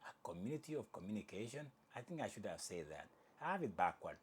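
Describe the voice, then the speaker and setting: Animated jokey male sports host. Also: on the low side, quick pace, slightly rough. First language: Swahili. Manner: animated, jokey, self-correcting. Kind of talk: casual sports commentary.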